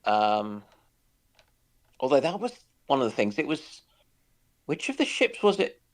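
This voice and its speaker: A man in casual discussion on a naval history stream, speaking haltingly with dry humour. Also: medium pitch, sing-song. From United Kingdom.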